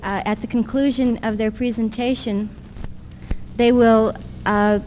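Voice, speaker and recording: A woman's voice: fairly high pitch, level tone, a little slow, a little mellow. A woman giving a spoken introduction to an audience as the event's introducer. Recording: dull 1970s archive recording, faint noise.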